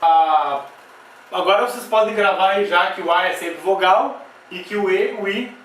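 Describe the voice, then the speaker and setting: A Brazilian man with a Brazilian Portuguese accent teaching a grammar lesson at a whiteboard, repeating words slowly to point out their sounds and checking in with "tá?" and "né?". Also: sits high, fairly bright tone, slight background noise. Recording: echoey room, voice from a distance.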